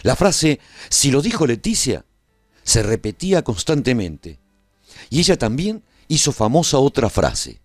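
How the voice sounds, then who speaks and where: A man's voice: mid-range voice, big pitch swings, measured pace, no room sound, clean studio sound, faint music behind. An actor playing a male resistance veteran who narrates a post-apocalyptic war in a scripted radio serial. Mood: grave, measured.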